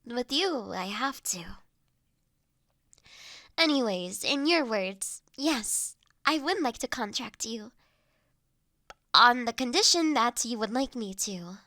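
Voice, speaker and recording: A woman playing a polite, gentle human lady in an intimate audio roleplay, speaking formally and courteously with soft hesitations. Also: fairly high pitch, expressive, no echo, clean studio sound, full character voice. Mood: earnest, gently teasing. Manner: courteous, formal wording, softly hesitant with pauses.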